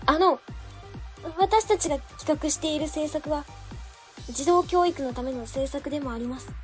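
An earnest young office worker in a radio play pleads her case in a high voice, acted by a woman. Faint music plays behind her. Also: moderate pace, close to an everyday voice. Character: earnest, determined young female staffer. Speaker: ward office staffer. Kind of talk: amateur web radio drama acting.

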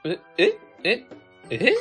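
An actor playing an excitable young male colleague who gets easily flustered, in an amateur web radio drama. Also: sits high, soft background music, exaggerated voice. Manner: flustered, quick questions.

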